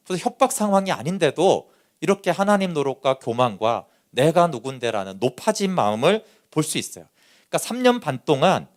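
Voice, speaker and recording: A man who is a pastor preaching a Sunday sermon, lively and conversational, often acting out what people said. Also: on the high side. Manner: animated preaching that acts out quoted speech.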